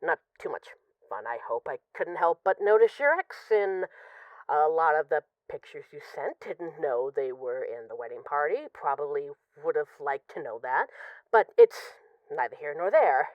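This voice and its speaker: A woman's voice: sits low, expressive, no echo, lo-fi sound. A woman playing a possessive, lovesick mafia boss in an intimate, conversational audio roleplay of voicemails. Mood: hesitant, jealous. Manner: conversational, teasing, halting when emotional.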